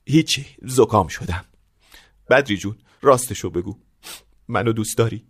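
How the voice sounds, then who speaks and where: A man's voice: mid-range voice, expressive, no room sound, studio quality, close to an everyday voice. An actor playing a stingy, scheming middle-aged father in a radio play, switching from blustering to wheedling. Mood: pleading, bitter. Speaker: father of the bride.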